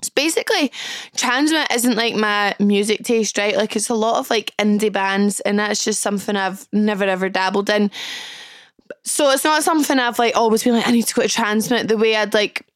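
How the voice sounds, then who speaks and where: A young Glaswegian woman hosting a chatty podcast, her voice hoarse and croaky, bubbly and loose-tongued. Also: medium pitch, brisk, no echo, studio quality. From Scotland. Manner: bubbly, chatty, swearing freely. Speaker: podcast host. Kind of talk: casual chat.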